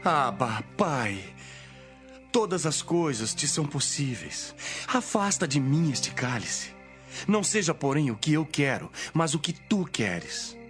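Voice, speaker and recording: A man playing Jesus in a dramatised Bible reading, a solemn, authoritative teacher speaking in measured declamation. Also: a little high, very animated, fairly bright tone, soft background music, exaggerated voice. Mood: sorrowful.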